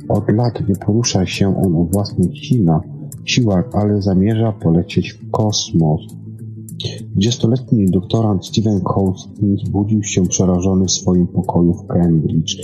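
A man with a low, mellow voice presents a science programme from a script. He reads haltingly and trips over words now and then. The recording is dull and lo-fi, with music playing behind him. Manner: halting reading with stumbles and repeated words. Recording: dull lo-fi sound.

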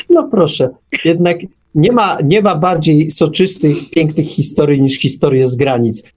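A man's voice: on the high side, a little slow, a little mellow. A man hosting a radio talk show, speaking thoughtfully with frequent hesitations. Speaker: radio host.

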